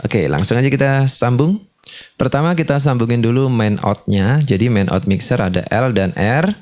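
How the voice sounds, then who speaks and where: A man's voice: medium pitch, lively intonation, normal speed, a little mellow. A man presenting a step-by-step tutorial, explaining and often adding short confirming tags. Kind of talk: step-by-step instructional demonstration.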